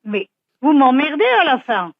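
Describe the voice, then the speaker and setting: Indignant woman with a lively high voice. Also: normal speed, dry recording, narrow, tinny audio. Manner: indignant, blunt refusals. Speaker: prank call victim. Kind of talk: irritated phone conversation.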